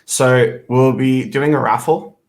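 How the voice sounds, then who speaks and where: A man's voice: medium pitch, fairly even intonation, slow pace. A man appearing as a guest, speaking plainly and earnestly in casual chat.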